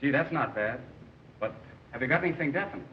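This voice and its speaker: An actor playing an eager suitor and partner in crime in an early talkie film. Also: male voice, medium pitch, lively intonation, fast talker, a little hiss or hum, natural voice. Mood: eager, conspiring. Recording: distant, muffled 1920s film soundtrack.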